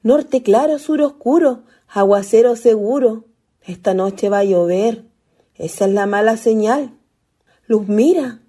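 A woman's voice: fairly high pitch, unhurried, dark tone, husky. A woman playing a lovestruck young ghost, a naive country girl with a Chilean accent and earnest colloquial speech, in a radio play. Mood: anxious. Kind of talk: radio theatre acting.

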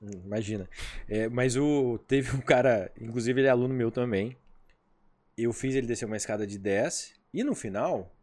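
A man's voice: medium pitch, normal speed. A man who works as a hypnotherapist, guest on a podcast, telling stories animatedly and acting out the dialogue in casual chat. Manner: animated storyteller, acts out dialogue.

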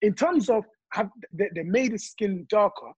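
Man from congo, casual chat, animated storyteller, husky voice, lo-fi sound. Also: sits high, normal speed, no room sound.

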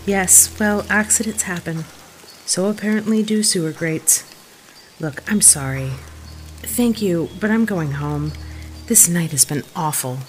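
A woman's voice: on the low side, unhurried, faint music behind, natural voice. An actress playing a shaken young woman in an audio drama, wary and wryly sarcastic. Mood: irritated, defensive.

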